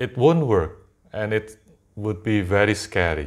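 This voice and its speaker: A man speaks very slowly in a fairly low voice against a quiet background. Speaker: pastor. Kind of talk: sermon. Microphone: lapel.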